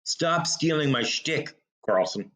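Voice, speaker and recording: A man's voice: a little high, expressive, slow pace, fairly bright tone. A man hosting a talk show, giving opinionated commentary in an emphatic way with rhetorical questions and short, punchy repeats.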